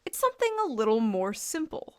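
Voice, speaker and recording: A woman's voice: a little high, big pitch swings, a little fast. A woman delivering scripted comedic commentary for an online video. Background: music behind the voice.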